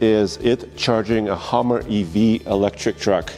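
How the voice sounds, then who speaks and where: Using a normal speaking voice, a man keeps a fairly even intonation. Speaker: video host. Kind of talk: product demonstration. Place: garage. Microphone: lapel.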